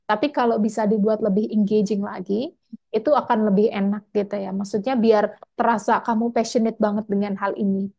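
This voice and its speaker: A woman's voice: medium pitch, level tone, a little fast, vocal fry, dark tone, dull audio. A woman scholarship mentor giving casual, chatty feedback after a mock interview over a video call. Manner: casual, chatty, frequent tag words.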